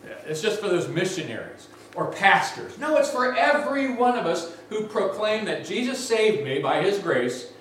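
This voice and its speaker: Man, guest preacher, big voice, lively and conversational, slightly raised pitch, distant and very echoey sanctuary sound. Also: moderate pace, hardly any pauses, a little hiss or hum. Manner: energetic, conversational preaching with asides. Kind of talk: sermon. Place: large church sanctuary.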